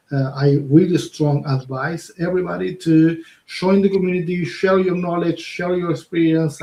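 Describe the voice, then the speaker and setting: Uruguayan man, webinar co-host, raised pitch, roomy echo, lots of uh's. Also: warm tone. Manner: talks with many fillers and restarts. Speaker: co-presenter. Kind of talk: tech webinar talk. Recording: echoey room sound.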